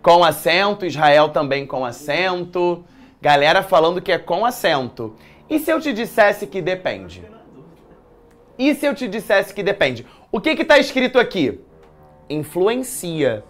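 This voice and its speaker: A man with a Brazilian accent teaching a live online exam-prep writing class from a studio, chatty and lively, quizzing his viewers with slangy asides. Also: high-pitched, measured pace. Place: studio in a commercial building.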